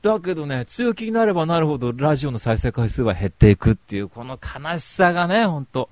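A man's voice: fairly high pitch, sing-song, fairly quick, a little mellow, dry recording. A man hosting an online radio show, talking in a casual, rambling monologue full of slangy rants and self-mockery. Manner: ranting, slangy, self-mocking.

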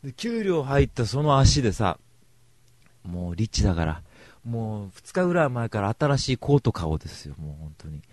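A man hosting a radio show, telling a comic story in rough, blunt casual speech and retelling it with big exaggeration. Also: mid-range voice, sing-song, moderate pace, darkish tone, no room sound.

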